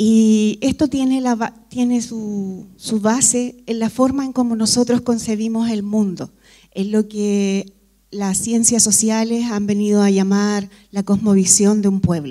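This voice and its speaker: A woman with a Chilean accent, a fairly high pitch, a dark, mellow tone, fairly even intonation and a fairly slow pace. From Chile, Mapuche community. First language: Mapudungun (speaking Spanish). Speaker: professor. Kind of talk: conference talk.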